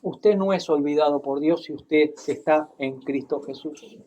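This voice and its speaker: A man preaches at an unhurried, measured pace. He keeps checking in with his congregation and lifts into dramatic emphasis when he reads from the Bible. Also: fairly high pitch, mellow, highs cut off. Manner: deliberate, tag questions, dramatic Bible reading. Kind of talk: sermon.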